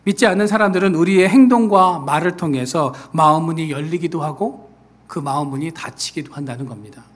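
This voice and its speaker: A man preaching a sermon as pastor, who acts out quoted people in lively voices and then falls back to a soft, earnest tone. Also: on the high side, a little fast. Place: church sanctuary.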